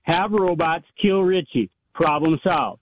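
A man's voice: a little high, measured pace, dry recording. Man who keeps cutting in, "wait a minute". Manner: talks over others, repeats "wait a minute". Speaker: talk show host. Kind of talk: casual banter on a talk show. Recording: dull lo-fi sound.

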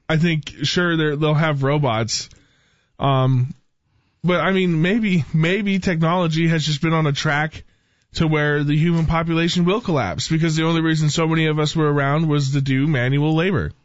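A man's voice: on the high side, dry recording. A man on a casual talk show, speaking hesitantly and thinking his points through aloud. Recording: dull lo-fi sound.

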